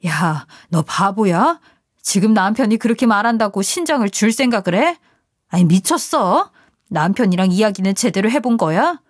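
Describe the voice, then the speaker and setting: A woman's voice: mid-range voice, lively intonation, moderate pace, dry recording, lightly acted. A woman voicing a blunt, protective older friend in an audio story, scolding emphatically, recorded dry and close.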